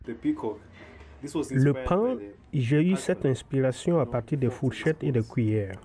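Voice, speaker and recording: Young male artist from Kenya, mid-pitch voice, plain explanations, crowd noise behind. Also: animated, slow. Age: young adult. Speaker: artist interviewee. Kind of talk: interview.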